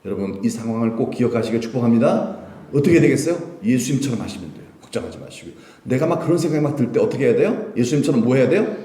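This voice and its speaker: A male pastor delivers a Sunday sermon in a lively, swinging voice, throwing questions out to his congregation. His tone is mellow and sits a little above the usual pitch for a man. The sound rings through a roomy church sanctuary. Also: racing. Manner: animated, full of rhetorical questions to the congregation.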